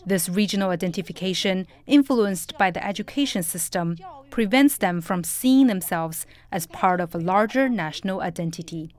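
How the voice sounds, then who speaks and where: A woman reading an English voice-over translation with a steady, even delivery. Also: mid-range voice, normal speed. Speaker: interpreter voice-over.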